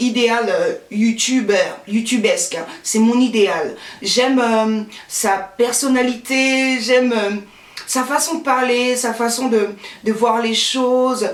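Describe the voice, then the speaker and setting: Through audible room echo and noticeable background noise, a woman speaks very slowly at a high pitch with ordinary pitch variation. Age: 20s. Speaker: beauty youtuber. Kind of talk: casual vlog. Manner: hesitant, many fillers.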